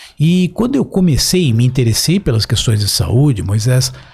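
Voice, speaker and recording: Somewhat breathy and medium in pitch, a man speaks at a moderate pace with very wide pitch swings. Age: 60s. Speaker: physician and healthcare executive. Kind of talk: podcast interview. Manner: formal.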